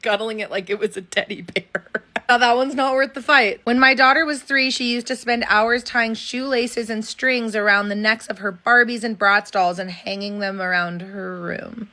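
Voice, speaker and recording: Bright, amused young woman reading comments. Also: a little high. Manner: amused, often breaking into laughter. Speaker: content creator reading viewer comments. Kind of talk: reading comments aloud with reactions.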